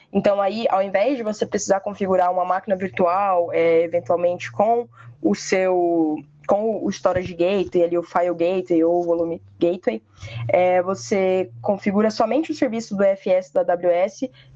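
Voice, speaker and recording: This woman's tone is dark and mellow. She sits at a medium pitch. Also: ordinary pitch variation. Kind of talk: webinar presentation. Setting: online webinar. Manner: fast.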